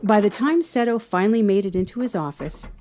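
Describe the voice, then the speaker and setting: A woman reading scripted fiction as an expressive audio drama narrator. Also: medium pitch, brisk, heavy background noise.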